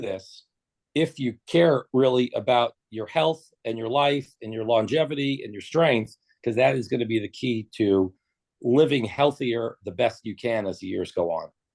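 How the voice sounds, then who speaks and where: With ordinary pitch variation, an unremarkable speaking voice talks at a moderate pace. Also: man. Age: 60s. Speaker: fitness client, surgeon. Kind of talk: interview.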